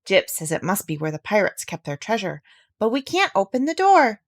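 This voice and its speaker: A woman voicing an excitable, gushing female duck in a storybook, chatty and emphatic. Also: medium pitch, normal speed. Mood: delighted, excited.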